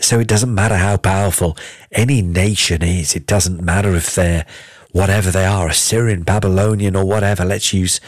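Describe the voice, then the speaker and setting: A man reading psalm verses aloud and explaining them as a radio Bible teacher in an earnest, measured way. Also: sits low, steady tone, no room sound, clean studio sound.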